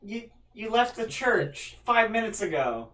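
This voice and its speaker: A man's voice: high-pitched, sing-song, measured pace, a bit bright, voice pushed up, full character voice. A man voicing a frightened, cornered spy in a tabletop game, stammering and pleading evasively. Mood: panicked pleading. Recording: roomy, distant mic with some noise.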